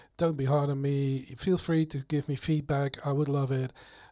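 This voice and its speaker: A man talks with a Dutch accent at a medium pitch. His intonation is monotone and flat. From Netherlands. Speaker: music producer and video maker. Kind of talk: tutorial. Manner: hesitant, many fillers.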